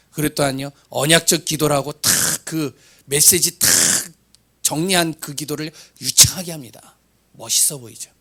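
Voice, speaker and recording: A hoarse man with a medium-pitched voice delivers a sermon full of rhetorical questions. He shifts from loud outcries to quiet asides and occasionally trips over his words.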